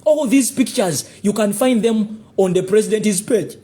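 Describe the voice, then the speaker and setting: A man's voice: high-pitched, normal speed. A man with a Ugandan English accent delivering a heated political rant to camera, accusing his listeners and firing off repeated rhetorical questions. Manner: rising to near shouts. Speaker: political commentator.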